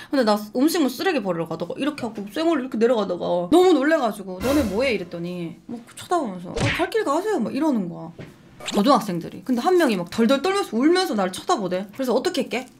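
A woman's voice: on the high side, a little hiss or hum. A young adult woman hosting an eating show, chatting frankly and telling stories between bites. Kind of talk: casual eating-show chat. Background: faint background music.

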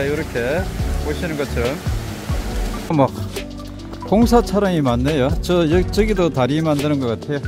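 A man casually narrating a mountain hike as he walks, pointing out the trail and the sights in an unhurried way, recorded outdoors on a handheld camera. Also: high voice. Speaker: hiking vlogger.

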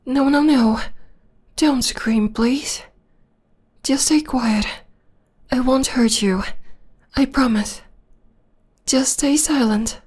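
Obsessive young female vampire played by a woman for ASMR roleplay: whispery, slow, tender yet menacing. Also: high-pitched, a little mellow, full character voice. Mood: soothing, insistent. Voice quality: breathy, whispery. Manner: intimate, slow, lingering delivery. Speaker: voice actor.

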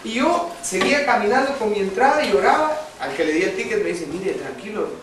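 A middle-aged man preaches in a fairly high voice, chatting with his congregation and pausing for their replies. He sounds distant from the mic in a very echoey church hall, with a clear hum of background noise. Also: lively intonation. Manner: conversational, asks the congregation questions, tells a story with laughs. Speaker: lay preacher.

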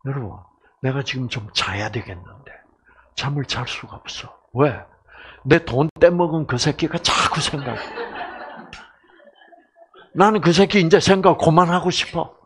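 Animated man giving a lecture. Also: a little high, normal speed, pauses often, slight background noise. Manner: asks the audience questions, acts out voices and cries. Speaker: health lecturer. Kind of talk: lively seminar lecture with jokes.

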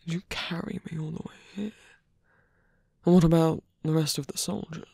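A man playing a tired, wounded villain softening toward a lover in an intimate ASMR roleplay, breathy and hesitant, often half-whispering close to the mic. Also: on the high side, level tone, no room sound. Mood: curious, probing. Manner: hesitant, halting, with long pauses and sighs. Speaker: ASMR voice actor. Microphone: close microphone, dry.

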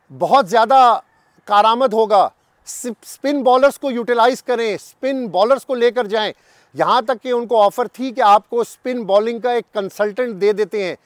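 Emphatic Pakistani man, high-pitched, dry. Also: no echo. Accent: Pakistani Urdu. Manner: emphatic, repetitive, lecturing. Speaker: cricket journalist. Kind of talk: direct-to-camera commentary. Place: sunny garden outdoors.

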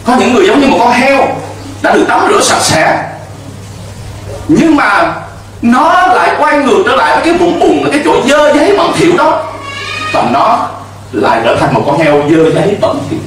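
A man's voice: extremely high pitch, sing-song, moderate pace, a bit bright, heavy reverb, recorded from a distance, soft background music, low-quality recording. A middle-aged man preaching a sermon from a church pulpit into a handheld mic, emphatic, with call-and-response to the congregation. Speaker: pastor. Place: church stage with pulpit and cross.

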